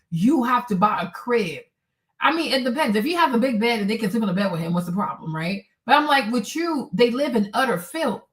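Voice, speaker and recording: A blunt, sassy woman giving casual reaction commentary with a fairly high voice. She talks straight to her viewers and doesn't soften her opinions. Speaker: commentary vlogger reacting to a clip.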